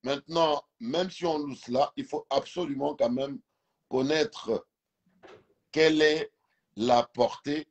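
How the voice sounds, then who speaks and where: A man from Gabon, a native Fang speaker, argues his point in a casual live video chat, speaking emphatically and stumbling over repeated words. His voice sits a little high for a man, and he talks into a phone held close while he lies on a couch at home. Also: slow pace, pauses often. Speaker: live stream guest. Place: indoors, lying on a couch at home. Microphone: phone camera held close.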